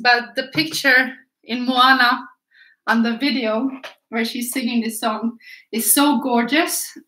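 On the high side and pushed and bright, this Swedish-accented woman in her thirties leads viewers through a live painting session. At her easel in a small echoey room, she keeps up encouraging chat, occasionally turning from the camera a few feet away.

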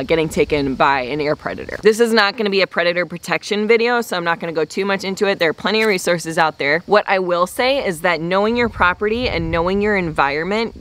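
A young woman vlogging outdoors on her farm, talking to the camera in a chatty, animated way and drifting into tangents. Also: lowish voice. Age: young adult. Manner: chatty, tangent-prone, animated with hand gestures. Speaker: homesteading vlogger. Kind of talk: casual talk to camera. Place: outdoors on a grassy farm yard.

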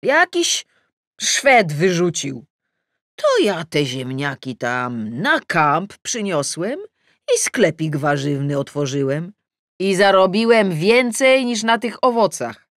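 A man's voice: high-pitched, sing-song, slow, fairly bright tone, dry recording, studio quality, full character voice. A woman reading an audiobook, voicing a tipsy, boastful middle-aged man who rambles folksily about his past. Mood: boastful, animated.

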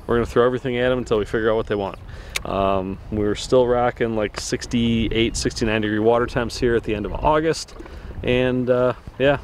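A man's voice: mid-range voice, steady tone, a little fast, slight background noise. A man hosting his fishing channel, talking casually and cheerfully to the camera from a boat on a lake, with plenty of ums and uhs. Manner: upbeat, joking, with frequent fillers. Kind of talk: casual vlog talk to camera.

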